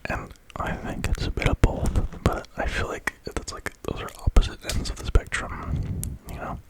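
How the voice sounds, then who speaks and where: A person speaking in a breathy ASMR whisper, rambling casually and reflectively with a hesitant manner. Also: normal speed, rough recording. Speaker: ASMR creator.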